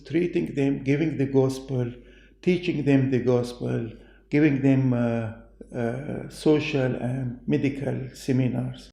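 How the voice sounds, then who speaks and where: In a reverberant room, a man with a Middle Eastern accent gives testimony in an interview. His voice is mellow with a gravelly creak. He speaks non-native English in halting, deliberate phrases. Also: mid-range voice. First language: not English. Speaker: pastor and doctor being interviewed. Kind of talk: interview answers, personal testimony. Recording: echoey room.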